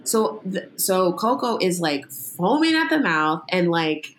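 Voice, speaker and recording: A woman's voice: lowish voice, sing-song, unhurried, a little hiss or hum. A woman guest on a podcast, telling stories in a casual, rambling way with lots of filler words. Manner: rambling storyteller, heavy filler "like". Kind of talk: casual chat.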